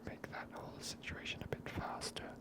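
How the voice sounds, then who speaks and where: A game streamer speaks entirely in a whisper, giving ASMR commentary on play. The delivery is hushed and breathy, with the voice barely sounding at all. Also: brisk.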